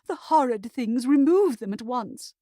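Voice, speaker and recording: A woman voicing a hysterical, outraged young society lady with shrill, stagey period-drama melodrama for a comic audiobook. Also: animated, a little slow, warm tone, no room sound, studio quality. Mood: shrill panic. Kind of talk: Regency romance audiobook character acting.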